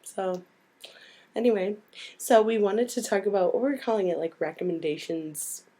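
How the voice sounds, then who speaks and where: Female podcast co-host, casual and giggly, mid-pitched voice roughened by a cold. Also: normal speed, warm tone. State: hoarse from a cold. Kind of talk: casual chat.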